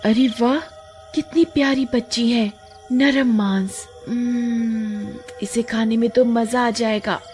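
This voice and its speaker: A woman's voice: a little high, fairly even intonation, takes it slowly, darkish tone, faint music behind. A woman voicing a fierce snake-bodied female witch in a cartoon horror story, with a menacing, gloating delivery.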